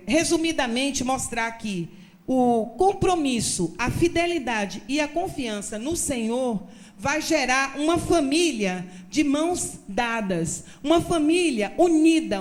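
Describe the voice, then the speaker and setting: Brazilian woman pastor preaching. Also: a little high. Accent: Brazilian Portuguese. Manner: storytelling, acting out scenes with voices. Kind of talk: sermon. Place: church.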